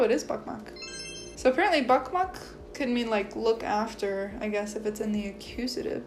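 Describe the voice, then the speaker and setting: A young woman in her twenties chatting to camera at home, animated and excitable, full of filler words. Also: a little high. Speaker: language-learning vlogger. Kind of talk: casual chat to camera. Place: living room at home.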